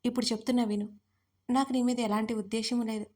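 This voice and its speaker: A woman's voice: fairly high pitch, little pitch movement, quick pace, natural voice. Woman reading as angry threatening young husband. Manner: sharp, threatening.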